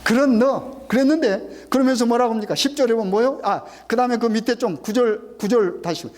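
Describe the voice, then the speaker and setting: A middle-aged male pastor with a very high voice preaches a little fast in a church sanctuary. He quizzes the congregation through frequent call-and-response questions and emphatic repetition.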